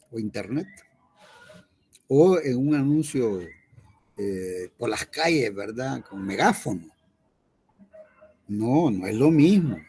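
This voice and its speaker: A man's voice: mid-range voice, a little mellow, breathy edge. A man, a teacher lecturing his class in an online lesson, explaining patiently and often checking in with his students.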